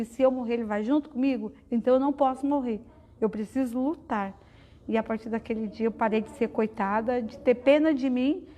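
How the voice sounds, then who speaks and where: A woman's voice: fairly high pitch, dark tone. A middle-aged woman giving a heartfelt personal testimony to an audience, talking conversationally with frequent fillers. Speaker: guest speaker at a spiritist study center.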